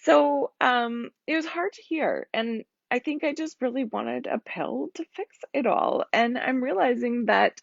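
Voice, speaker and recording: A woman in her thirties with a husky, tired voice, talking candidly and rambling a little on a live stream from home. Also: a little high, dry recording. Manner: candid, rambling, laughs often. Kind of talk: casual live stream talk. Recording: dull lo-fi sound.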